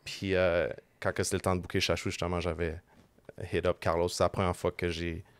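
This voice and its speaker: A man's voice: low voice, flat delivery, a little fast, clear, resonant tone, no echo. A man with a Québécois French accent, a band member chatting on a podcast and mixing English slang into his French. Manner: switches freely between French and English slang. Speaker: band member and lead vocalist, guest. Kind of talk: casual podcast conversation. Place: podcast studio.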